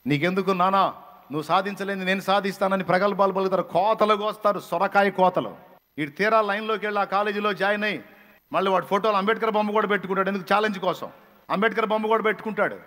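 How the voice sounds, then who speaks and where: A man's voice: high voice, fast, a bit bright. A man preaching a fiery Telugu sermon as a pastor, scolding his listeners with repeated emphatic phrases. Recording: long hall reverb.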